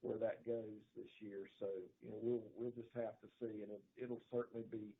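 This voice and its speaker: A middle-aged man, a company executive answering analysts on a conference call in a folksy, hedging, halting way. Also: on the low side, little pitch movement. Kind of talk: unscripted earnings call answer. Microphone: telephone conference call. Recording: narrow phone line with clear noise.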